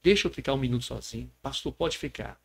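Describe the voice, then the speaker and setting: A man's voice: medium pitch, fast, gravelly, husky. A man with a Brazilian Portuguese accent, a pastor earnestly telling a personal testimony as a podcast guest, often tagging his sentences with a question. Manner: earnest storyteller, often adds a tag question.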